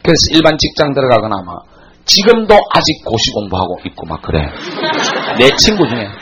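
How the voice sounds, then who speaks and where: A man in his forties giving a classroom lecture, telling a blunt, animated story to his students. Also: medium pitch, a little fast, a faint crowd, a little hiss or hum, poor audio. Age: 40s.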